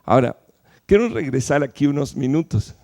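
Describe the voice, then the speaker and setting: A man preaching a sermon to his church, emphatic, with rhetorical questions and sudden loud peaks followed by low, quiet drops. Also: very animated, moderate pace. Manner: fillers and restarts while explaining. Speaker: pastor.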